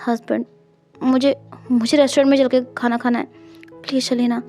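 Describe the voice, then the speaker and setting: A woman voicing a shy, tender young man in an audiobook, speaking softly with hesitant restarts. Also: fairly high pitch, little pitch movement, a little fast, soft background music, lightly acted. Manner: soft-spoken, hesitant restarts.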